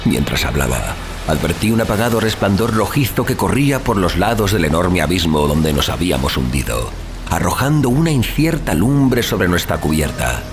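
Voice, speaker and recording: A man's voice: sits low, very animated, moderate pace. A man reading a literary horror story as a narrator, in a solemn, suspenseful, dramatic style. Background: music.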